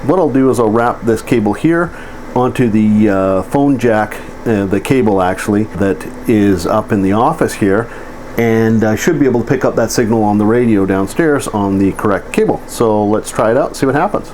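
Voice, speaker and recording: A man giving an informal hands-on how-to demonstration, halting as he thinks aloud. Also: fairly low pitch, darkish tone. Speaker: electronics hobbyist presenting a how-to. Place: indoors, home office. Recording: hissy air-conditioner hum, amateur audio.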